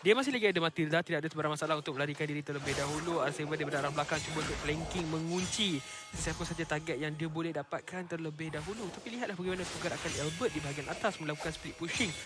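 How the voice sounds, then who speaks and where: A man with a Malaysian accent giving live play-by-play esports commentary as an excitable game announcer. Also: fairly high pitch, rapid-fire, hardly any pauses.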